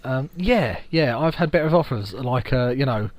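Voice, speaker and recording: A man's voice: medium pitch, expressive, moderate pace. A young man with a London accent, co-hosting a podcast in loose, jokey chat full of fillers. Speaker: podcast co-host. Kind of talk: casual chat.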